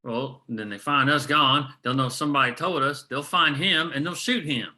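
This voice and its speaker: Cautious, level-headed man, acted by a male reader: plain-spoken, reasoning, strikingly bright and forceful, drama. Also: mid-range voice, moderate pace. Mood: urging, firm. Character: level-headed, cautious ally urging restraint. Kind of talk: script table read.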